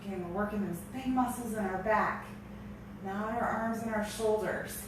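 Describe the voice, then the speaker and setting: A woman's voice: medium pitch, fairly even intonation, normal speed. A woman coaching a workout as an aerobics instructor, with peppy encouragement and audible exertion in her breathing. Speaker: aerobics and strength instructor leading a home workout. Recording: echoey room, distant mic, noisy.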